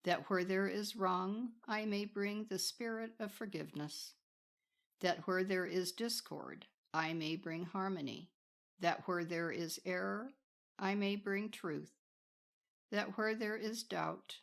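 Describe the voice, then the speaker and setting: A woman reading a spiritual audiobook in a solemn, measured and deliberate manner. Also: medium pitch, steady tone, vocal fry. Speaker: audiobook narrator. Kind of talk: scripted spiritual audiobook narration.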